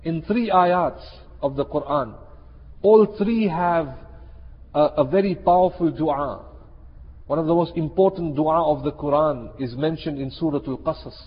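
A man's voice: fairly high pitch, a little slow, breathy edge. A man preaching an Islamic sermon, emphatic and repeating key phrases, with Arabic and Urdu expressions mixed in. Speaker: Muslim preacher. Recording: muffled, reverberant hall sound.

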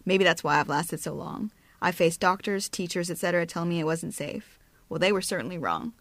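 A woman's voice: on the low side, fairly quick, a bit bright, no room sound. Chatty woman podcast host, dry sound. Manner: chatty, reads listener excerpts aloud. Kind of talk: casual chat.

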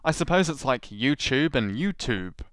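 A man with a New Zealand accent tells his story in a smooth, clear voice. He is sarcastic and lively as he goes. The sound is dry and close to the mic. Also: medium pitch, moderate pace, no echo. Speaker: podcast host. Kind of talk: sarcastic commentary.

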